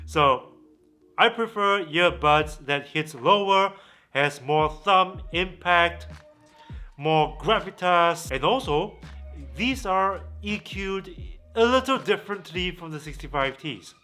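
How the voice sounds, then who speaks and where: Bright, forceful-voiced man reviewing gadgets. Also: sits high, animated, unhurried, faint music behind. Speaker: tech reviewer, vlog host. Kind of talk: product review to camera.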